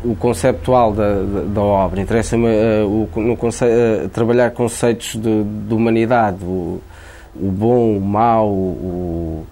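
A man's voice: lowish voice, fairly even intonation, takes it slowly, gravelly, warm tone. A man born in Angola, a painter, speaking in a casual interview, often repeating words while he thinks.

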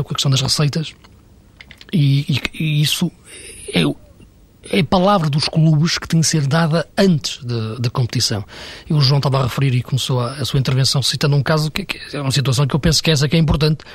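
Casting: man, husky voice, dry close sound, hesitant pundit on a panel. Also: medium pitch, steady tone, fast talker, dry recording. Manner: hesitant, many restarts, argumentative. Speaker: football pundit. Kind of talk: studio panel discussion.

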